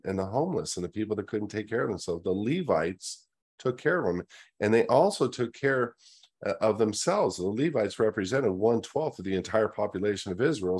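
A middle-aged man hosts a virtual Q&A from indoors, delivering an earnest monologue of his opinions over a webcam call and frequently restarting his words. His voice is lowish and somewhat dark, with a breathy edge.

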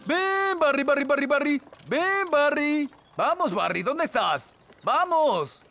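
A man voicing a pompous, stubborn, excitable fairy king and father in a Latin American Spanish cartoon dub. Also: very high-pitched, slow pace, faint music behind, exaggerated voice. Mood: determined. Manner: pompous, emphatic.

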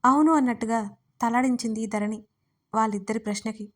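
A woman narrating a scripted audio story in a steady, even reading. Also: mid-range voice, a little fast. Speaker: storyteller and writer.

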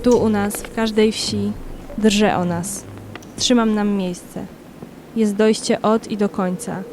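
A woman reciting poetry for an audio drama in measured, solemn, short phrases, with music behind her. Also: mid-range voice, fairly even intonation.

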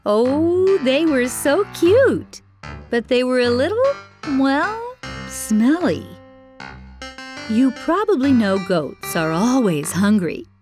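A woman tells a fairytale to children in a playful, animated storytelling voice. Her pitch sits a bit high and swings widely, and she takes it slowly. Soft music plays faintly behind her.

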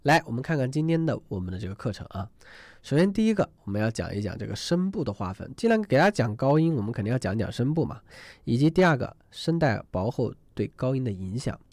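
A man's voice: medium pitch, big pitch swings, fast talker, a little mellow, no echo. A man teaching an online singing class, chatty and rambling, often asking students to type numbers in the chat. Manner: rambling with many fillers and restarts. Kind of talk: live online class lecture.

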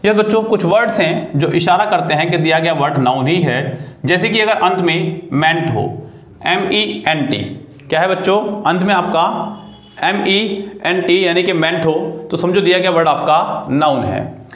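A man teaches grammar in a video lesson, in a voice pitched somewhat high for a man. He spells words out letter by letter and keeps asking his students questions. The recording has the echo of a bare room. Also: moderate pace, a bit bright. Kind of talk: classroom-style video lesson.

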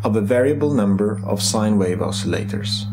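A man's voice: fairly low pitch, lively intonation, normal speed. A man reading a scripted explanatory narration as a formal voice-over. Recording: loud guitar music over voice. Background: loud plucked guitar music.

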